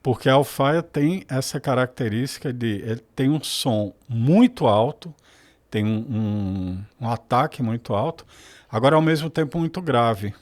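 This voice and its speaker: A man's voice: medium pitch, animated, normal speed, darkish tone. Reflective man. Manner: reflective, rambling with self-corrections. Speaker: guest. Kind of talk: casual podcast conversation.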